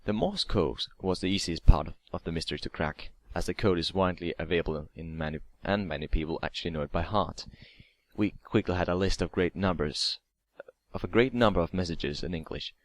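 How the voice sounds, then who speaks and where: A man's voice: low voice, a little fast, no echo. A man reading a scripted creepypasta story aloud as narrator, now and then stumbling over and repeating words. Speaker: narrator of online horror stories.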